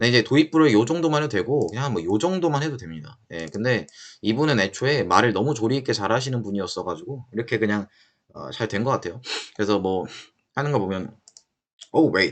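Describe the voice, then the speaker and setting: Lively intonation and a fairly quick pace from a man, his pitch medium, in an ordinary speaking voice. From South Korea. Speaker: English speaking test tutor. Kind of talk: tutorial. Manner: casual with many fillers.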